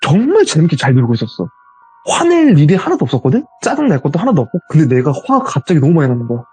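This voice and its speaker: A man telling his own ghost story as a guest, in a casual, animated retelling. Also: on the high side, fast, breathy edge, no room sound, soft background music.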